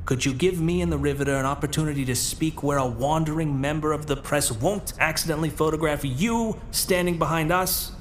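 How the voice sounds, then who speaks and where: A man playing a gruff, wry police commissioner in a pulp radio drama, commanding and informal. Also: fairly high pitch, fairly quick, few pauses, a little hiss or hum, close to an everyday voice. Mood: wry, frank.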